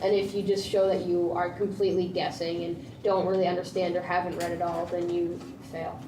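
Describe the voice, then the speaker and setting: A woman's voice: fairly low pitch, level tone, fairly quick. A teenage female student, explaining an idea in a class discussion. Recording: echoey, distant, noisy room.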